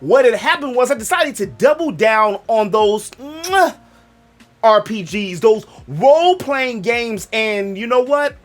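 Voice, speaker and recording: Young man, Black American accent, digressive and joking, with lively swinging pitch and faint music under him. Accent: African American English. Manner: loose, joking, digressive, self-interrupting. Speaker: gaming channel host. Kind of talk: rambling casual monologue.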